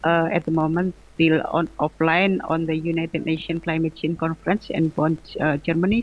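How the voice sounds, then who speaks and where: With an Indonesian accent, a woman talks at a moderate pace in a fairly low pitch. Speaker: government health specialist. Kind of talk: presentation. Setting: remote online call. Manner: hesitant, many fillers.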